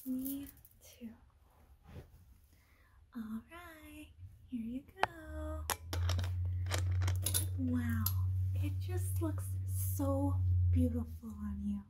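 A young woman doing a soft-spoken, half-whispered ASMR roleplay as a kindly leprechaun queen, gentle, cooing and doting, close up in a small room. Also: sits high, extremely slow, pauses often, very noisy. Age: young adult.

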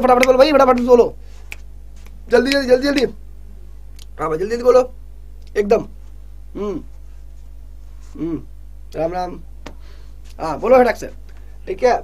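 A young man hosts a live online revision class, reading questions and urging students to answer right away. He scolds and jokes in turn, keeping the pace lively. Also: very high-pitched. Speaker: online exam-prep teacher.

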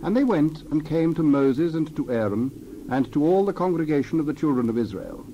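Measured male scripture narrator, dull noisy recording. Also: on the high side, animated. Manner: measured, deliberate phrasing.

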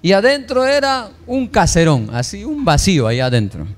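This preaching man has a high-pitched voice with big pitch swings and a moderate pace. He emotionally shares his testimony with the congregation, whom he calls brothers, and acts out the dialogue he recounts.

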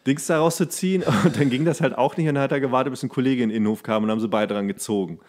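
A man of ordinary pitch talking into a podcast mic in an easy, unscripted way. He circles through his stories, stops and restarts, and drops in fillers as he goes. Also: very fast, darkish tone. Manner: rambling, anecdotal storyteller. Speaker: podcast co-host. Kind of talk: casual chat.

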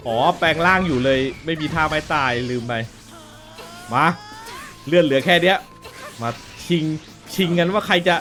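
A young man giving playful gameplay commentary, excitable and mouthing sound effects for each attack. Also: on the high side, normal speed. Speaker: gaming YouTuber. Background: game music.

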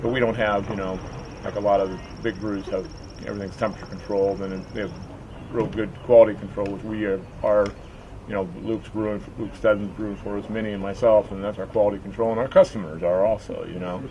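A man's voice: lowish voice, flat delivery, fast, dark tone, lo-fi sound. A middle-aged man with an American accent gives a casual, folksy explanation as a brewery owner showing visitors around. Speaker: brewery owner giving a tour. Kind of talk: casual explanatory tour talk. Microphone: camera a few feet away. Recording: echoey rooms, distant camera mic, noisy hum.

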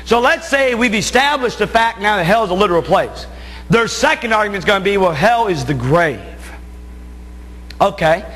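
A middle-aged American man preaches from the Bible in a notably high-pitched voice. He leans hard on key phrases, stretching them out for emphasis. The sound carries the long reverb of a church hall. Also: animated, fairly bright tone. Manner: emphatic, stressing key phrases with drawn-out words. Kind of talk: Bible sermon to a congregation. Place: church sanctuary, at the pulpit and pacing beside it.

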